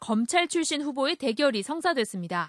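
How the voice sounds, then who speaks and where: A woman talks with lively intonation. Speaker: news reporter. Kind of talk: news reading. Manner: formal.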